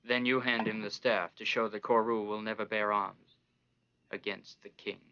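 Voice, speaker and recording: An actor voicing a cunning, treacherous priest in an animated Bible drama, condescending and commanding. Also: male voice, lowish voice, moderate pace, clean tone, lightly acted. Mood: scheming. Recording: dull lo-fi sound.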